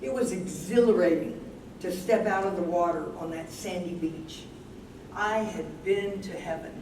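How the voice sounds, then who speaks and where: Woman playing Jeannie, a confused older wife, slow-spoken. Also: fairly low pitch, lightly acted. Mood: wistful, fond. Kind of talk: staged reading of a play. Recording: roomy distant stage mic, loud noise.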